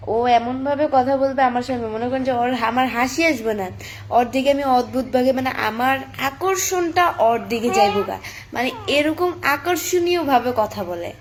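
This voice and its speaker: A woman's voice: sits high, moderate pace, slight background noise. Teenage girl chatting on a phone live stream. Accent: Chandpur Bengali. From Bangladesh. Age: teens. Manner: chatty, reads viewer comments aloud and answers them. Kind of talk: casual live-stream chat reading comments.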